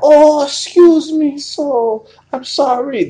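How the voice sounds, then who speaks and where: Very slow and high in pitch, the speaker uses a put-on character voice. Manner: apologetic.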